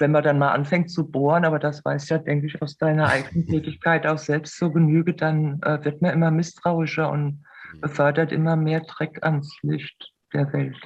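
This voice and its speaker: Somewhat breathy and very deep, low in pitch, a woman speaks at a moderate pace with monotone, flat intonation. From Hesse, Germany. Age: 60s. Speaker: self-employed data protection consultant. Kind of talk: interview. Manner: hesitant, many fillers.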